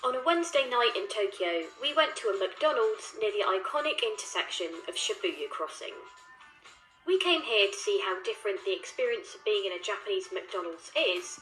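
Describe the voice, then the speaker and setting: A woman's voice: mid-range voice, expressive, normal speed, fairly bright tone. Woman narrating a food review. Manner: enthusiastic tasting commentary. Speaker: food video presenter. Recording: echoey with music behind.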